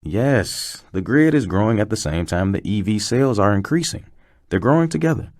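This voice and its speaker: A man's voice: on the low side, animated, normal speed, a little mellow, no echo, clean studio sound. A man voicing a knowledgeable, patient car technician in a conversational scripted explainer. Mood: explaining, assured. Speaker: voice actor in a promotional dialogue.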